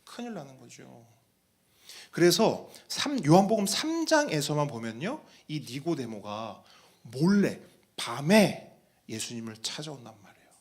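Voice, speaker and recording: A man's voice: on the high side, big pitch swings, unhurried. A man, a pastor, preaching a sermon, asking the congregation questions and acting out the voices he quotes.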